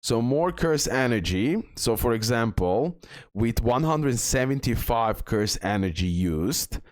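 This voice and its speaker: A man's voice: medium pitch, lively intonation, a little slow, dry recording, studio quality. A man giving casual game commentary as a video host, rambling and repeating words with many fillers.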